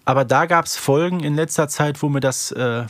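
A man's voice: on the high side, moderate pace, dry recording. A man hosting a podcast, chatting casually and colloquially about his opinions, often tagging phrases with little questions. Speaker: podcast host. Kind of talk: casual review chat.

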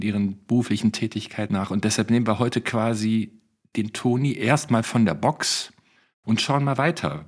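A man's voice: fairly low pitch, husky. A man hosting a podcast, leading it in a cheerful, playful way and quizzing his co-hosts. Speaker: podcast host. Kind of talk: casual podcast chat.

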